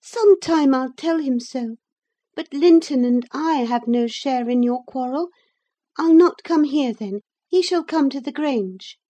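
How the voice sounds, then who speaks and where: A woman doing an eager, excited teenage girl. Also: high-pitched, measured pace, pitched above the performer's own voice. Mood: indignant. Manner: excited, pleading. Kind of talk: audiobook character voice.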